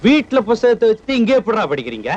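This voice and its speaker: A man's voice: high voice, very animated, quick pace, a little mellow. An actor playing a stern but caring village elder man who scolds the youths. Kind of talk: 1980s Tamil film comedy. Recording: dull old film soundtrack with music.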